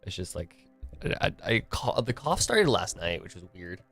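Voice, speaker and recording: A man's voice: deep voice, very animated, normal speed, creaky, a bit bright, slightly rough, soft background music. Stuffy young man chatting on stream. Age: young adult. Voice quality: tired morning voice. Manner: rambling, filler-heavy, restarts often. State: slightly stuffy, nasal from a cold. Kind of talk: casual solo chat to a live stream.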